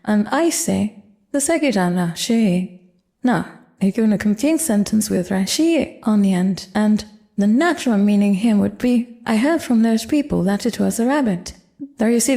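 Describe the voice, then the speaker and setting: An older woman explaining grammar in a measured, careful lecture. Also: fairly high pitch, animated, vocal fry, dark tone. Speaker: Japanese language teacher. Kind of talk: grammar lesson narration.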